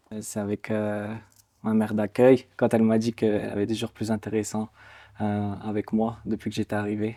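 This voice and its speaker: On a very clean recording with a silent background, a man with a fairly low pitch and a dark, mellow tone speaks at a moderate pace in monotone, flat intonation, with a dry, close sound and no echo. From France, Grenoble region. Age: 20s. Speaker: volunteer. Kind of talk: casual Q&A interview.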